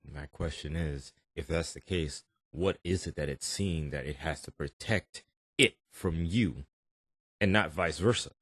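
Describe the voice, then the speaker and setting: A man's voice: extremely low pitch, unhurried, a bit bright, breathy edge, dry recording. A man giving casual reaction commentary as a video host, musing and thinking aloud.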